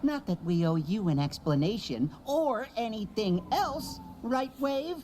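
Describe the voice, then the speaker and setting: A man's voice: high-pitched, very animated, measured pace, darkish tone, a little hiss or hum. A man playing a cocky, taunting teenage male hawk racer with a swaggering, teasing manner in a cartoon audio drama.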